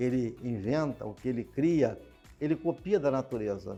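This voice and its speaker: A man is speaking. Music can be heard behind him. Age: 70s. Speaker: educator and author. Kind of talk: interview answer.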